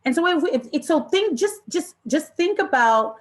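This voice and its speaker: A woman presenting an interactive online training session in an impassioned, deliberate way, with emphatic repetition and rhetorical questions. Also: high-pitched, animated. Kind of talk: impassioned interactive workshop talk to an online audience.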